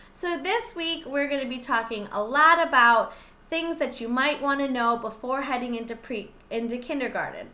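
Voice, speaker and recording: A pre-K teacher, a woman, reading a picture book aloud to young children in an expressive, sing-song way. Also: high-pitched.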